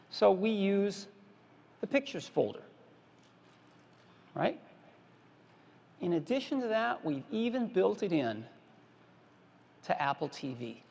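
A man with a high, gravelly voice gives a product keynote from a big stage. He talks in plain, repeated phrases that drive each point home. His voice carries the long reverb of a large hall. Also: big pitch swings, takes it slowly, long pauses. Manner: plain, repetitive, emphatic product pitch. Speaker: keynote presenter.

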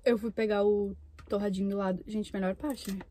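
A woman's voice: mid-range voice, level tone, fairly quick, mellow. A young woman from Brazil chatting casually between bites of food while filming a mukbang in a parked car, with the camera on the dashboard. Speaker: mukbang YouTuber. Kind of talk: casual chat while eating.

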